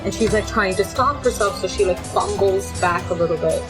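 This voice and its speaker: Casual, halting woman player over music. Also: medium pitch. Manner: halting, peppered with "like". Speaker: player in a tabletop game. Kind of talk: casual improvised narration of a character's actions.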